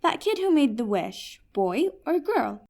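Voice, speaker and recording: A woman's voice: fairly high pitch, big pitch swings, a little slow, vocal fry, a little mellow, heavily acted. A woman playing a patient, wry genie who runs a magical help desk in a fantasy comedy audio drama, sounding professional. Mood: efficient, helpful. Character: patient, helpful female genie working magic support desk.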